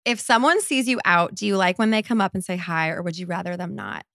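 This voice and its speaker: A woman in her thirties hosting a casual solo podcast and answering listener questions in a blunt, profane way, with quick bursts and emphatic repeats. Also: fairly low pitch, gravelly, fairly bright tone, no echo. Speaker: podcast host.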